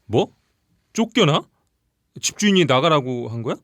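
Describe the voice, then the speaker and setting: A man's voice: on the high side, big pitch swings, moderate pace, dry recording, clean studio sound. An actor playing a male friend who questions a storyteller in audio drama banter. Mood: surprised, curious.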